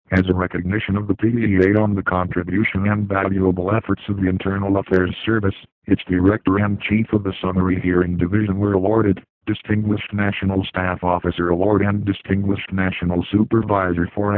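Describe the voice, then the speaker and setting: A man reading a scripted accusing statement as an anonymous hacker, his voice disguised and pitched down, steady and flat. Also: no echo. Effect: disguised, pitched-down deep voice. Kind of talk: scripted statement read aloud. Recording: dry, tinny phone-like sound.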